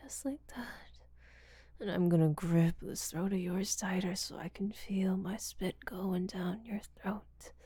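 A woman playing a breathy, giggling seductress. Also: medium pitch, unhurried, dark tone, dry recording. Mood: teasing. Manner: breathy whispering, frequent giggles, teasing. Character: teasing, domineering seductive woman, rough-handed. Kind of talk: audio roleplay.

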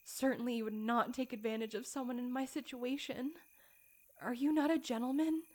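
Brief: a woman voicing a proper young lady in an audio roleplay, high voice, formal old-fashioned phrasing, breathy whispered pleas. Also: fairly even intonation, normal speed, natural voice. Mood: frightened pleading.

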